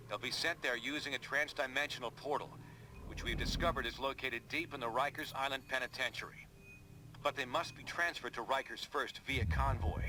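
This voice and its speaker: An actor playing an earnest, resolute male leader, briefing a team in a measured, serious way in a game cutscene. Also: natural voice. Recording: clear background rumble of ambience.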